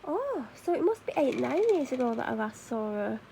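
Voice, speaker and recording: Woman, Mancunian accent, casual makeup vlog chat, mellow slightly high voice, rambling. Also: sing-song, normal speed, vocal fry, slight background noise. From Manchester, England. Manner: chatty and rambling, many fillers and self-corrections. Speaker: vlogger.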